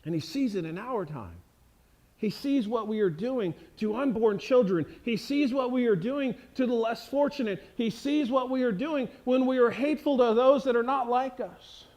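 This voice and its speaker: A man's voice: extremely high pitch, moderate pace, a little mellow, poor audio. A man preaching a sermon in a church, earnest and emphatic, asking the congregation rhetorical questions. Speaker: pastor. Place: church sanctuary.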